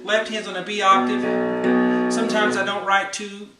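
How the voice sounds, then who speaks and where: A man with a rather high voice giving a casual, relaxed piano lesson at a whiteboard, talking through chords with plenty of fillers. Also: moderate pace. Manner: relaxed, chatty, many fillers, counts beats and hums notes. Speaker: piano teacher. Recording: roomy sound from a distance over loud piano.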